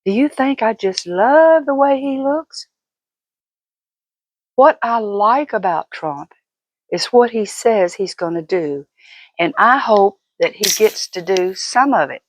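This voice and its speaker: A woman's voice: medium pitch, animated, slow, no room sound. An older woman vlogger talking casually and giving opinions in an emphatic, folksy, fussing manner.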